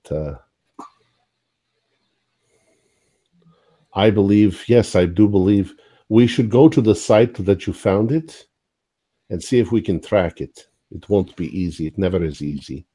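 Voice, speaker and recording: A man voicing a grave, slow village elder. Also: fairly low pitch, dark tone. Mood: determined. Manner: solemn, deliberate, measured.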